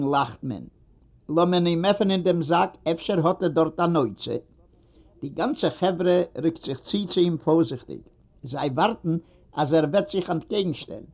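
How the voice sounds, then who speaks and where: Man reading a story, muffled audio. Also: sits high. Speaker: narrator. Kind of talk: literary reading aloud. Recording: dull lo-fi recording.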